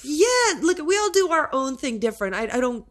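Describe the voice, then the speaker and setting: A woman from Canada with a low voice for a woman, chatting as a podcast guest and telling lively, playful stories. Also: moderate pace. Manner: animated, playful storyteller who laughs through her stories. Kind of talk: casual chat.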